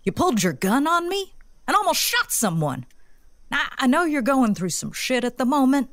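A woman's voice: sits high, big pitch swings, normal speed, no room sound, studio quality. Tough, commanding female cop. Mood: stern, exasperated. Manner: stern, clipped, blunt. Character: tough, exasperated, commanding female police boss. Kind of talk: audio drama acting.

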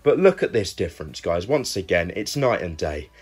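Husky young man, casual reviewer. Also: low voice, very animated, moderate pace. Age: young adult. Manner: informal, addresses viewers directly. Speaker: YouTube host and product reviewer. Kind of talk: casual chatty video review.

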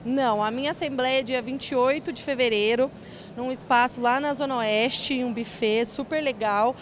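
With a high-pitched voice at a moderate pace, a young woman who manages a bank branch in São Paulo city, Brazil, chats casually in an interview, laughing easily. She holds a handheld mic in a big event hall full of chair rows, and a little hiss or hum can be heard.

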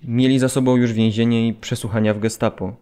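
Male actor as grave former prisoner, radio play memoir, flat intonation, medium pitch, solemn and restrained. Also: brisk, lightly acted. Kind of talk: dramatised documentary memoir reading.

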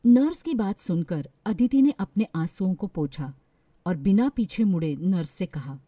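Very dark, soft-toned woman storyteller. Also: on the low side, animated, unhurried, no echo, clean studio sound. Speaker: storyteller, voice artist. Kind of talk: scripted dramatic story narration.

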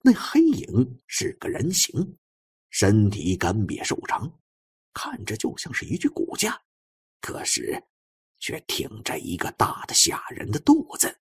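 A man narrating a suspense audiobook in a theatrical way, moving between hushed and forceful delivery. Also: mid-range voice, wildly swooping pitch, a little slow, husky.

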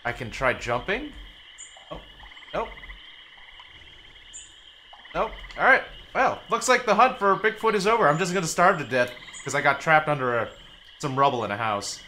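A young man playing a survival game, joking and swearing, with sudden loud outbursts. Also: on the high side, sing-song, moderate pace, pauses often, a little hiss or hum. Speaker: gaming YouTuber. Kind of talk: let's play commentary.

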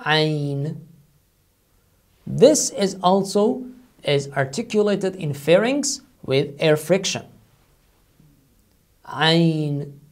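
A man teaching a recorded online language lesson, patient and explanatory, who slowly repeats each sound several times to demonstrate it. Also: sits high, creaky.

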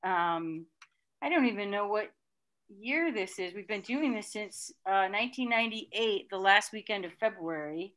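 Bright, chatty middle-aged woman host. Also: medium pitch, expressive, moderate pace. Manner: chatty and enthusiastic. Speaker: event MC. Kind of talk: hosting a virtual reading. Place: room at home. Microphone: video call webcam.

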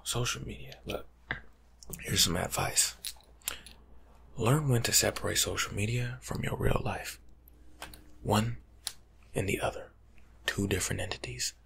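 A young American man doing a casual, slangy ASMR life coach roleplay in a hushed, breathy half-whisper, close to the mic. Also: fairly low pitch, a little hiss or hum. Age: young adult. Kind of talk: ASMR roleplay monologue, softly spoken and whispered. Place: small room at home, indoors.

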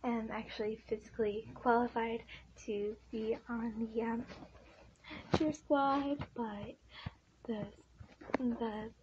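A woman's voice: a little high, steady tone, takes it slowly, pauses often, muffled recording, slight background noise, voice pushed up. A woman voicing a shy, insecure teenage schoolgirl in an improvised ASMR roleplay, hesitant and apologetic. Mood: hesitant, self-conscious.

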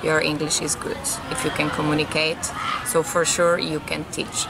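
A woman's voice: sits low, flat delivery, normal speed, vocal fry, reverberant, very noisy. A woman in her thirties with a Polish accent, an English teacher speaking in friendly, non-native English. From Poland.

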